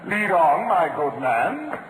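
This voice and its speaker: Pompous, high-voiced criminal. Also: male voice, sing-song, slow pace, fairly bright tone, echoey room, exaggerated voice. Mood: smug. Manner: pompous, imperious. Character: haughty captured criminal claiming royal blood. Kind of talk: 1940s-style radio drama acting. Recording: noisy old-time radio recording.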